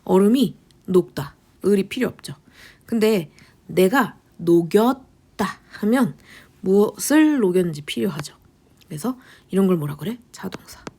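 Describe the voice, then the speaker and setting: A woman teaching English vocabulary in a lecture, asking quick rhetorical questions and answering them herself, often dropping into a whisper. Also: medium pitch, expressive, mellow, husky.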